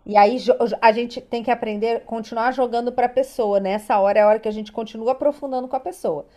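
Woman from Brazil, family coach, casual chat, animated storytelling, somewhat high voice. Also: fast talker. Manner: animated storyteller, acts out clients' replies. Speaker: child and parent coach.

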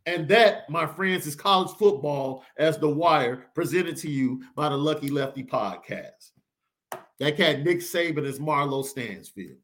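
Man, podcast host, animated, slangy, fairly high voice. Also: measured pace. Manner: excited, slangy, reads super chats. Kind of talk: animated sports podcast banter.

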